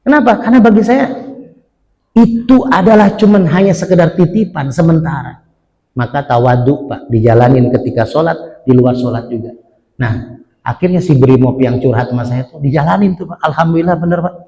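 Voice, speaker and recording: A middle-aged man preaching in a mosque, speaking, swinging between loud emphatic lines and quiet asides. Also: a little high, moderate pace, lo-fi sound. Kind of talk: mosque sermon. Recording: long hall reverb.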